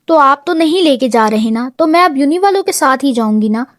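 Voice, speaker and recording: A woman voicing a stubborn, lively young woman who sulks, pleads and flares up, in a storybook reading. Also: high-pitched, no room sound, studio quality. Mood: pleading. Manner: sulky, pleading, shouting in outbursts.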